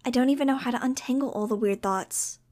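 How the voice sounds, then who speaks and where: A woman voicing an earnest young girl in an audiobook, with a light, sometimes breathy high voice. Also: fast, darkish tone, close to an everyday voice. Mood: weary, explaining. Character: young girl with psychic powers, weary, earnest, determined. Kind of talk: audiobook character voice.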